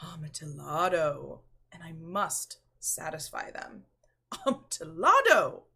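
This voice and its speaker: A woman voicing an excitable, boastful drunken Italian nobleman in a storybook read-aloud, exclaiming and insisting. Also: sits low, slow pace, vocal fry, breathy edge, full character voice. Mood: eager, scornful.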